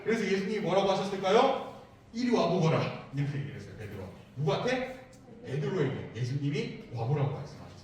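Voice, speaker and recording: A man's voice: fairly high pitch, wildly swooping pitch, fast talker. A man preaching to young children, asking them questions and repeating their answers. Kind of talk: children's sermon with call-and-response questions. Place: church worship room. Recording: echoey room, mic at a distance.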